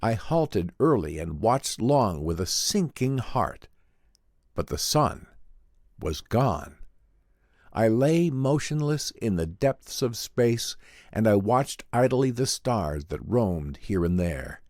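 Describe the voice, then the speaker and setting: A man's voice: lowish voice, big pitch swings, slow pace, a little mellow, no room sound, studio quality, full character voice. A man performing a despairing space traveler stranded far from Earth, reading in a theatrical, anguished old-time sci-fi radio drama style. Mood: bleak despair.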